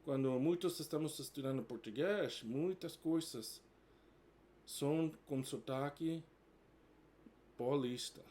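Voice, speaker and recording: A man from New York, a native English speaker, mostly neutral American accent, talking casually in halting learner Portuguese and plain English. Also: fairly high pitch, mellow. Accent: mild New York, mostly neutral American. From United States (New York). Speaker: vlogger. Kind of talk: casual bilingual vlog explaining.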